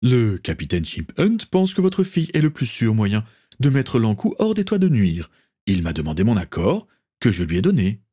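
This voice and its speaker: A man's voice: lowish voice, huge pitch swings, moderate pace, dark tone, slightly rough, voice pushed up, heavily acted. A male narrator voicing a self-righteous colonial governor with a lofty, lecturing manner.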